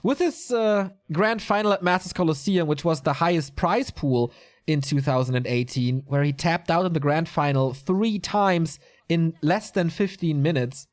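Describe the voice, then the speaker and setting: A man's voice: fairly high pitch, normal speed. A man giving casual solo commentary on a live strategy game tournament, chatty and answering viewer chat as he goes. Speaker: esports commentator.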